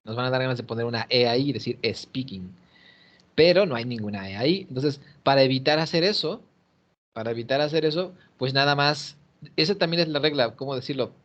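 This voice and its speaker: A man's voice: mid-range voice, fast, a bit bright. A man teaching English one-on-one over a video call, patiently explaining and modelling pronunciation. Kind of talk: one-on-one online English lesson. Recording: muffled lo-fi call audio.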